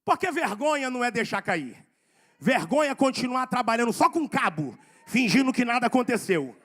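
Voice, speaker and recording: High, bright-voiced Brazilian preacher shouting. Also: male voice, very animated, moderate pace. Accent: Brazilian Portuguese. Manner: swings between soft asides and loud shouting; repeats phrases for emphasis and calls on the congregation. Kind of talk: fiery sermon.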